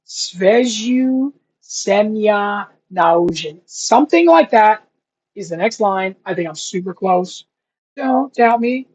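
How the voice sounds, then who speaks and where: A young man thinking aloud in a casual study vlog, rambling and slowly sounding out foreign words. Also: high voice, lively intonation, slightly rough. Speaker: language learner vlogger. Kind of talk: casual self-talk while studying. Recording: dull lo-fi recording.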